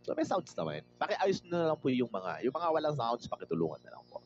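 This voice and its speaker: A man's voice: medium pitch, wildly swooping pitch, a little fast, slight background noise. Chatty Filipino man hosting a livestream. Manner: greets viewers by name, reads comments aloud, laughs often; mixes Tagalog and English freely. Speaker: livestream host. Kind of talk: casual livestream chat. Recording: dull lo-fi livestream audio with faint music.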